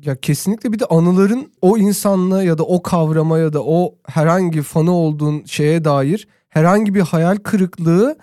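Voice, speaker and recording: A man with a high voice muses at length in a relaxed chat and wanders from thought to thought. The recording is close and dry. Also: normal speed, hardly any pauses, no room sound. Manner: reflective, rambling musing. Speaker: podcast co-host. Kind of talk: casual chat.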